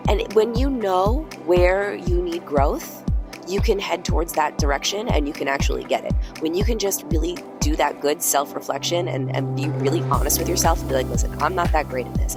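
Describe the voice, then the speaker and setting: A woman with a scratchy, under-the-weather voice hosting a motivational podcast in an upbeat, pep-talk way. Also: gravelly. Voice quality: scratchy, deeper than usual. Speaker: podcast host.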